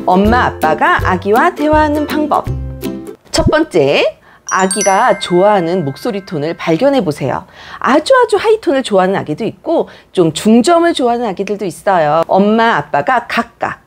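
A woman giving a parenting lesson to camera, speaking directly and encouragingly to new moms and dads. Her voice sits fairly high, and her pitch swings widely from phrase to phrase. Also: a little mellow. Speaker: childcare center director and parenting educator.

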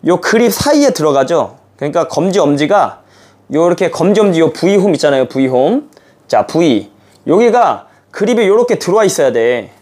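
A man with a high, lively voice gives a badminton lesson to camera. He talks casually and demonstratively, full of small fillers as he shows each move. His pitch swings widely from phrase to phrase. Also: moderate pace. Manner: animated, demonstrative, many fillers like "이렇게" and "아". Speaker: badminton coach.

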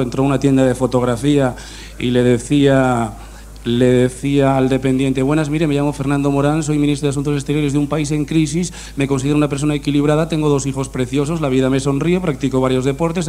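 A man's voice: medium pitch, fairly quick. A man doing a mock-serious comic monologue full of puns. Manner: deadpan punning humor, mock-serious delivery. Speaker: comedian.

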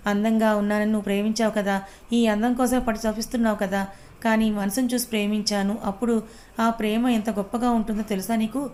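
A woman voicing a defiant young female student in a read-aloud story, speaking quickly and fiercely. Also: medium pitch, flat delivery, darkish tone, close to an everyday voice.

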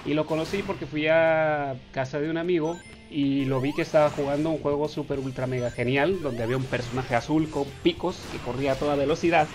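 A young Mexican man with a slightly high voice and a Mexican Spanish accent, chatting through viewer questions for his gaming channel. He reads each question in a raised, playful tone and answers loosely with fillers. Faint music plays under his voice. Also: steady tone, a little fast, hardly any pauses. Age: 20s. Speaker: gaming YouTuber. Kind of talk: casual Q&A voice-over over gameplay.

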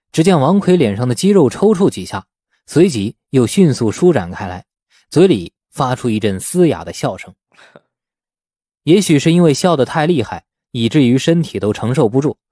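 A man narrating a novel as an audiobook, telling the story in an expressive, dramatic scripted style. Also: medium pitch, no room sound, clean studio sound.

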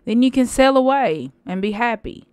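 A woman voicing a loving, selfless female apple tree in a storybook, with a gentle, giving manner. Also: on the high side, expressive, moderate pace, clean tone, no echo, lightly acted. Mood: generous.

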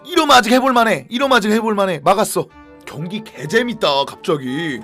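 A man streaming a football match, reacting live with chatty commentary and bursts of shouting at the big moments. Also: high voice, lively intonation, brisk, faint music behind.

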